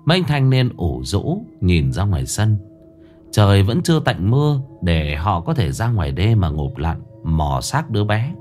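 A man's voice: lowish voice, very animated, normal speed, darkish tone. A man narrating a ghost story in a solemn, mournful storytelling voice. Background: faint music.

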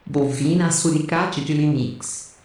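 A woman's voice: low-pitched, slow pace, darkish tone. An actress playing a defiant, foul-mouthed female rebel soldier, brash and insistent, in an audio drama. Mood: defiant, urgent. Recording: very echoey, slightly distant.

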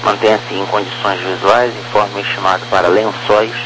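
A man with a low voice and a Brazilian accent works as an air traffic controller. He speaks in clipped procedural phrases over a crackly radio, with a clear hum and static noise. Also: level tone, brisk. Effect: crackly aviation radio.

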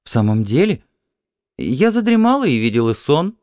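A man voicing a dreamy, excitable Martian wife in an audiobook, breathless and wondering as she insists on her vision. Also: medium pitch, moderate pace, dry recording, clean studio sound, voice pushed up, close to an everyday voice. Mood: dreamy, excited.

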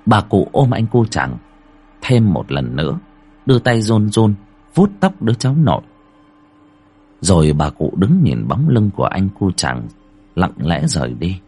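A man with a husky voice narrating a horror story in an expressive, rising and falling way. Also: low voice, unhurried, long pauses. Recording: soft music underneath.

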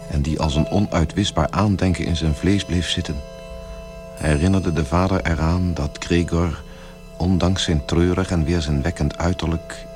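An actor as the grave storyteller, giving measured literary narration in a radio play. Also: male voice, sits low, lightly acted. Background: music.

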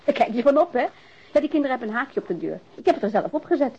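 Brisk, husky, teasing woman, radio play. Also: high-pitched, full character voice. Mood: eager. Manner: teasing, lively, forthright. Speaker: radio drama actor. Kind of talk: radio drama dialogue. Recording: dull lo-fi old radio recording.

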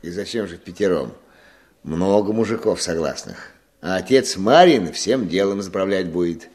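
A man's voice: sits low, lively intonation, moderate pace, darkish tone. An actor playing a hearty, eager village organiser in a radio drama, folksy and encouraging as he rallies the men. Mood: assured. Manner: folksy, encouraging, musing aloud. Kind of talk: Russian radio drama acting.

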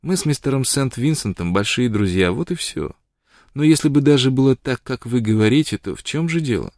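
A man's voice: medium pitch, lively intonation, brisk, a little mellow, no echo, studio quality, pitched above the performer's own voice, close to an everyday voice. A man voicing a bold, teasing young woman in an audiobook reading, with a light, mocking delivery.

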